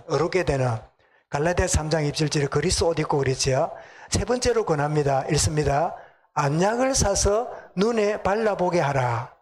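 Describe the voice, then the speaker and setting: Middle-aged pastor w/ a gyeongsang accent, pretty high voice, preaching casual and asking the church questions. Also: male voice, breathy edge. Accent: Gyeongsang Korean. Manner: conversational, asks the congregation questions. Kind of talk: sermon. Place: church sanctuary.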